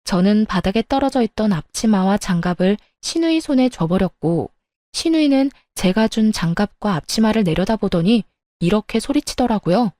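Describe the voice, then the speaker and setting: Woman, first-person story narration, matter-of-fact, mellow tone, dry recording. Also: medium pitch, animated, moderate pace, dry recording.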